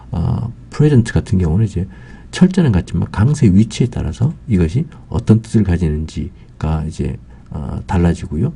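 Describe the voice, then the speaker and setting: A man teaches English vocabulary, Korean his first language, in a slow, patient way with frequent fillers. His voice is low, dark and gravelly, with a slightly husky edge. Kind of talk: lecture.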